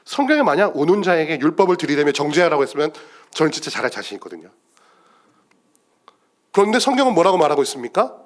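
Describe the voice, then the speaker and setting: A male pastor giving a sermon in a church, emphatic and swinging between loud declarations and hushed asides. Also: a little high, sing-song, quick pace, pauses often.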